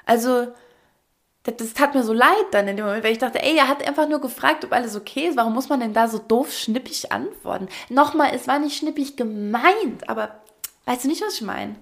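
A young woman co-hosting a podcast, telling a story in lively casual chat and acting out quotes. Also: on the high side, a little fast. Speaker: podcast co-host.

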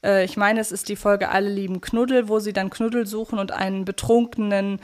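A woman's voice: medium pitch, fairly even intonation, brisk. A woman co-hosting a podcast, talking casually and analytically in a reflective, elaborating way. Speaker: podcast co-host. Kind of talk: casual analytical podcast talk about an audio drama series.

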